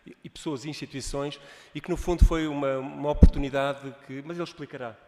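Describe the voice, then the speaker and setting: A man chairs a session at an academic conference. He talks hesitantly with frequent filler sounds at a middle pitch. His voice rings with echo and a long reverb from a university hall. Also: fairly even intonation, quick pace, noisy background. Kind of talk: introducing a speaker at a conference.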